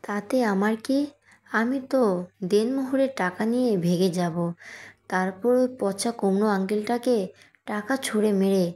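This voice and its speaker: A woman's voice: medium pitch, moderate pace, darkish tone, natural voice. A woman voicing a feisty, mischievous young bride who is stubborn and cheeky, in an audio story reading. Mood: scheming. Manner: sulky and cheeky.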